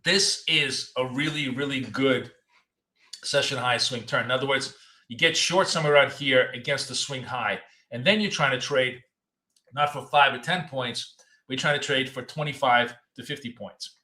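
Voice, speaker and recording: A man running a live trading stream from his apartment office. He chats loosely and doubles up words, and his voice is going hoarse. His tone is bright and forceful, and the room gives it a noticeable echo. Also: medium pitch, normal speed. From United States. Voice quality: talkative, repeats himself, loose and chatty. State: losing his voice, coughing. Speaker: trading show host. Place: home office in a city apartment.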